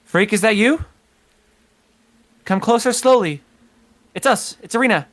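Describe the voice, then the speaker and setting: A man voicing a wary young woman warrior who calls out in a tense, hushed way. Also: high-pitched, a little slow, pitched above the performer's own voice. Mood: coaxing.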